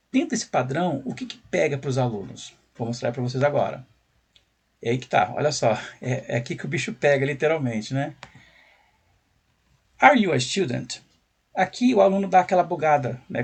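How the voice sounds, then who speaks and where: A Brazilian Portuguese-accented man teaches in a chatty, explanatory way. His voice sits a little high and has a husky, slightly rough grain. He keeps tossing rhetorical questions to the viewer. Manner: conversational, rhetorical questions, frequent tag "né". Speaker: English teacher. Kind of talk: explanatory video lesson.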